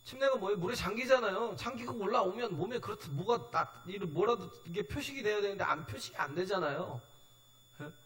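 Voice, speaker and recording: A man's voice: sits high, brisk, fairly bright tone. A male pastor preaching a sermon, often prompting the congregation with questions and briefly acting out quoted dialogue. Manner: acts out short quoted dialogue within the sermon.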